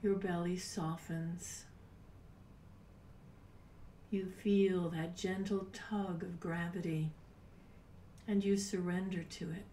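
A woman in her sixties leading a guided meditation in a soft, breathy, unhurried voice with long pauses, at times near a whisper. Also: fairly low pitch, steady tone. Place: small home room, indoors. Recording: roomy, distant mic with background noise.

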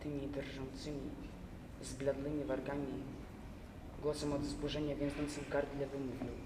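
A man's voice: mid-range voice, little pitch movement, noisy background. Young man reciting prose in a hall. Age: young adult. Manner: measured, theatrical. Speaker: recitation contestant. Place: large hall, stage. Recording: echoey hall from far off.

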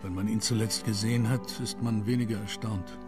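Lowish dry, suspicious gentleman played by a man. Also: steady tone, a little fast, over music, lightly acted. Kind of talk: German radio drama dialogue.

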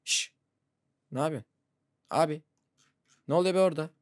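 A gaming YouTuber giving casual let's-play commentary, excitable, laughing often and yelping when startled. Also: mid-range voice, moderate pace, no room sound, clean studio sound.

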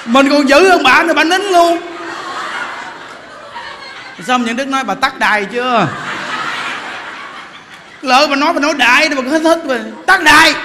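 A Buddhist monk giving an animated sermon, joking as he tells stories and addresses the audience directly. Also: very high voice, normal speed, long pauses, big-room sound, noisy background. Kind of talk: lively sermon.

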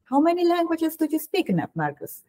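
A woman's voice: very high voice, big pitch swings, brisk, warm tone. A woman in her thirties with a Colombian accent, hosting a casual interview over a video call, chatty with frequent restarts. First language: Spanish. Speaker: host. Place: home room.

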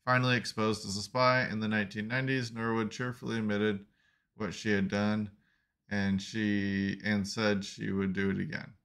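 A man with a bright, forceful voice co-hosts a relaxed science podcast. He reads articles aloud at a steady clip and keeps breaking off for chatty, joking asides. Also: on the low side, moderate pace, smooth. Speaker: podcast co-host. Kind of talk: casual chat reading articles aloud.

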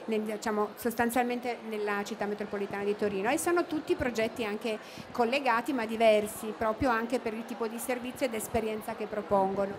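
A woman's voice: a little high, fairly even intonation, fairly quick, hardly any pauses, noisy background. Middle-aged woman, hesitant interview answers. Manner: hesitant, many fillers and restarts. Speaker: interviewee, cooperative representative. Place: expo booth studio, indoors. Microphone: handheld mic.

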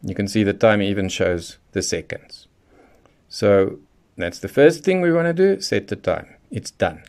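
Male tutorial presenter, lowish pitch, methodical step-by-step instructional delivery. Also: expressive, measured pace, a little mellow. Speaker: presenter of a radio how-to guide. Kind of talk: hands-on product tutorial, explaining step by step.

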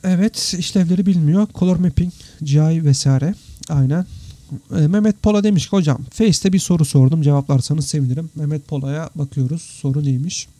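A man with a warm voice, on the high side and a little fast, hosts a live Q&A stream indoors, sharing his computer screen and reading out viewer comments to answer. He's a 3D visualization teacher, chatty and informal, treating viewers as friends. After three hours of talking he sounds tired, his voice slightly worn, and there's no room sound.

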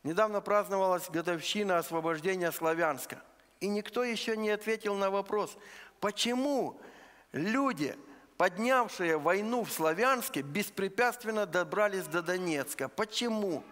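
A man from eastern Ukraine preaching a sermon in a church, earnest and deliberate, laying out his points one by one. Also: high voice, fairly bright tone. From Luhansk region, Ukraine. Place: church sanctuary. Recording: long church hall reverb.

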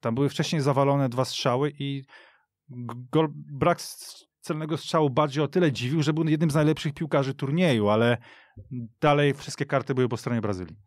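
A man's voice: medium pitch, a little fast, no echo, clean studio sound. A man talking as a guest football pundit, telling stories and analysing in a conversational way on the radio. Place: radio studio.

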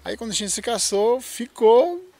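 A man's voice: very high-pitched, sing-song, moderate pace, mellow. A man in his forties from Uruguay with a Uruguayan Spanish accent, a guest chatting about his life in a backyard interview, laughing as he tells stories on a handheld mic. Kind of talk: casual interview talk. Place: outdoor backyard. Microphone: handheld microphone.

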